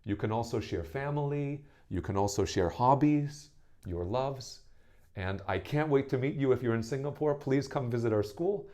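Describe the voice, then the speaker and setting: Speaking at a normal pace with a medium pitch and dark tone, an animated American English teacher in his thirties gives his students a friendly self-introduction to camera. He's easygoing and often asks "right?"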